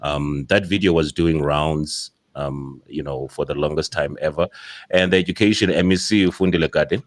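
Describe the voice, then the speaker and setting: A man's voice: extremely low pitch, moderate pace. A South African man hosting a casual podcast discussion, talking in a rambling way with many fillers and restarts. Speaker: podcast host.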